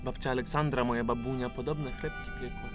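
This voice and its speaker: A man's voice: medium pitch, steady tone, brisk, close to an everyday voice. Actor as curious skeptical scholar guy in a sci-fi radio drama, wry, music in the background. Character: inquisitive, skeptical male musician-scholar of the future. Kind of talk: Polish radio drama acting.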